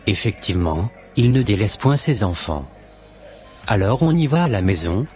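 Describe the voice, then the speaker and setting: An earnest, newly converted Christian man in a cartoon, exhorting others toward repentance, voiced by a man. His voice sits somewhat low. Soft music plays underneath. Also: sing-song, moderate pace.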